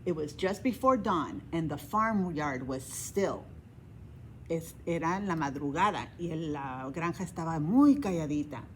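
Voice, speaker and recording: A woman's voice: sits low, expressive, unhurried, a little hiss or hum. A woman librarian reading a children's story aloud, each line in English then Spanish, with animal sounds.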